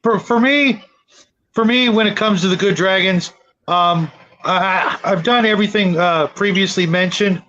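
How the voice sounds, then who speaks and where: A man hosting a casual panel discussion about tabletop gaming, talking in a halting, rambling way and repeating words as he goes. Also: sits high, bright, forceful tone, highs cut off, slight background noise.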